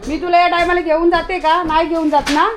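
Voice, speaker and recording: A woman vlogger, talking to her dog and her viewers in a loud, affectionate, scolding way. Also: very high voice, flat delivery, a little fast. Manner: scolding, affectionate, calls out loudly. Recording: busy crowd noise behind.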